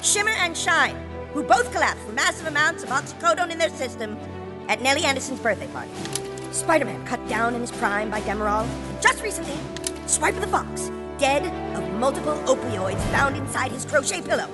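A woman's voice: high voice, expressive, fairly quick, over music. A woman voicing a pompous schoolboy who speechifies grandly. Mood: grave.

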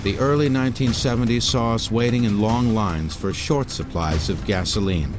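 Documentary narrator, American man, low register, scripted read over a clear music bed.

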